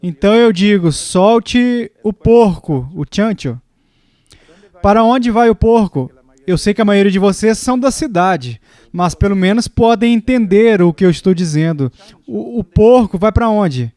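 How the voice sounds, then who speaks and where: A man with a notably high voice delivers a dubbed sermon. He speaks emphatically, leaning on pauses and repeated words. The sound is close and dry. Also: lively intonation, darkish tone, no echo. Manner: emphatic, with deliberate pauses and repetition. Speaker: preacher's voice in a dub.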